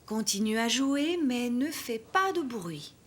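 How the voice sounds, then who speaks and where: A woman voicing a gentle, patient young mother in a children's cartoon, speaking in a soothing, instructive way. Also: fairly high pitch, lively intonation, takes it slowly. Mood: firm.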